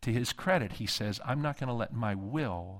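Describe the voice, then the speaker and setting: A man's medium-pitched, ordinary speaking voice with an American accent and lively intonation. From Western Pennsylvania, Pittsburgh. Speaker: seminary dean and preacher. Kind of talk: sermon. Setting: stage with audience.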